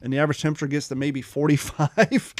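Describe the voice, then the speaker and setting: A man's voice: fairly high pitch, quick pace, a little hiss or hum. A man hosting a casual talk show, reading news aloud in an easygoing way with fillers like "um" and "uh". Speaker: host.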